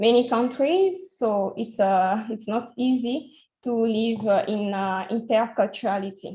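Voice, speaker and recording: This woman's voice is fairly high, somewhat breathy, and dark and mellow in tone. She talks at a fairly slow pace with ordinary pitch variation. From Republic of Congo. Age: 20s. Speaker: university student, webinar moderator. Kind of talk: webinar introduction. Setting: university room, online webinar. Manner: halting, many fillers.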